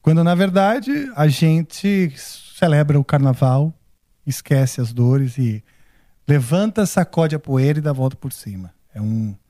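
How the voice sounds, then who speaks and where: Warm, chatty male interview host. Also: on the high side, lively intonation, a little slow, no echo, clean studio sound. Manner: chatty, philosophizing, encouraging. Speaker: podcast host. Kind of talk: casual interview.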